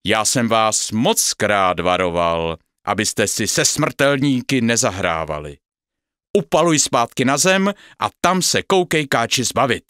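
A man's voice: animated, fairly bright tone, smooth, dry recording, studio quality, close to an everyday voice. A man voicing a stern, thundering old devil lord, centuries old, in a read-aloud bedtime fairy tale. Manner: booming and stern.

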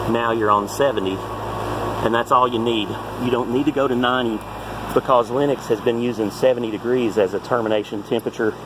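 A fairly low-pitched man talks through a hands-on repair tutorial in a folksy, practical way. He is recorded on a phone outdoors beside a heat pump, with clear background noise around him. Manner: plain-spoken, folksy and practical. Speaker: HVAC technician.

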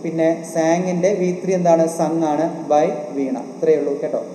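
Male exam coach with a Malayali accent, slightly high voice, drilling rules by repetition; roomy reverb. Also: steady tone, measured pace, dark tone. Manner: repetitive, asks questions and answers them himself. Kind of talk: online grammar lesson. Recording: echoey room with faint noise.

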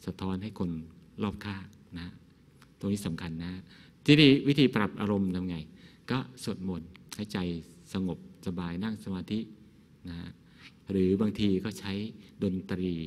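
Thai monk low-pitched, gentle dhamma talk, rhetorical questions, soft laughs; reverberant room. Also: male voice. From Thailand. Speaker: Buddhist monk.

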